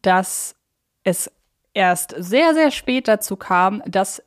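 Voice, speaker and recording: A woman's voice: medium pitch, lively intonation, slow pace. A woman co-hosting a podcast, chatting casually and a little hesitantly, often circling back to rephrase her points. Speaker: podcast co-host. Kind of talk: casual discussion of an audio drama series.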